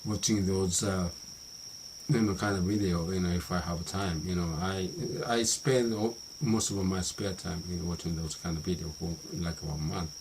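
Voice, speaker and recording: A middle-aged man from Japan with a Japanese accent, talking about how he learns English in a halting monologue full of restarts and "you know" fillers. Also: low voice, steady tone, noisy background. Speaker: vlogger. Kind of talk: unscripted monologue practicing English.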